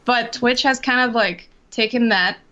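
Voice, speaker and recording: A woman's voice: on the high side, a little slow, sharp tone. Young woman from costa rica on a video call, chatty, lots of "like", bit muffled lo-fi sound. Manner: chatty, many fillers and restarts. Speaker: interview guest, Twitch drummer. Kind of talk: casual video-call interview.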